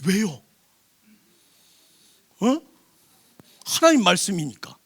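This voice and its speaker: A senior pastor preaching a sermon in a church service, throwing call-and-response questions at the congregation. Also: male voice, sits high, very animated, slow, a bit bright, husky.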